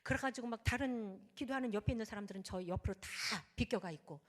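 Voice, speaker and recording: A woman's voice: fairly high pitch, quick pace. A woman pastor telling a story in a sermon, acting out the prayers and speech of the people in it. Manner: animated storytelling with acted prayers. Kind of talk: sermon testimony. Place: church sanctuary. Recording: church hall reverb.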